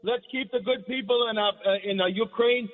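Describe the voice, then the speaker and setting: A male radio caller with a very high voice, rambling and insistent and stumbling over his words with "uh"s. The call comes through with a long, hall-like echo. His delivery is emphatic and loose. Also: fairly even intonation, phone-quality sound. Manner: rambling, emphatic, halting fillers. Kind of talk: casual call-in chat.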